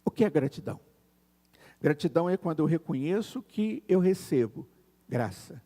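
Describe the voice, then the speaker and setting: A man with a Brazilian Portuguese accent preaching a sermon in a church, earnest and slowing down to stress key words. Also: a little high, expressive, warm tone, in a large hall. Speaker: pastor. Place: church sanctuary.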